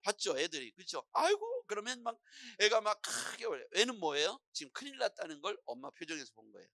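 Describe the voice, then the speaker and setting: A middle-aged man preaches a morning prayer sermon in a church. His voice sits high and sounds bright and forceful, with lively swings in pitch. The sound is close and dry. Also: quick pace, vocal fry, dry recording. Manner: lively storytelling preacher, acting out anxious and calm voices. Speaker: pastor.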